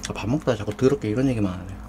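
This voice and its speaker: A man with a lowish voice talks rapid-fire over a noisy background while hosting a live mukbang stream. He eats, jokes, bantering with viewers and reading their chat names aloud into a desk condenser mic.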